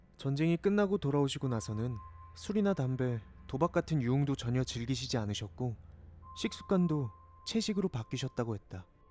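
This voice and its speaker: A man's voice with very wide pitch swings, music playing in the background. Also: medium pitch for a man, fairly quick pace. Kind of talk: horror story narration.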